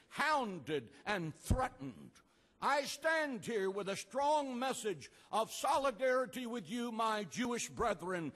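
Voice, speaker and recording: Older man, pastor-orator, high lively pitch, slow deliberate delivery, long reverb of an outdoor rally. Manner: slow, emphatic, repeated refrains, rising to shouts. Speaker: pastor giving a speech. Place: outdoor rally at an ancient port.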